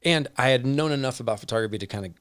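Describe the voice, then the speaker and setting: A man telling personal stories as a guest in a casual conversation, animated and emotional, with frequent restarts. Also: medium pitch, rapid-fire, clean tone, no room sound, studio quality. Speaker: podcast guest. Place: indoor room with whiskey and pipes.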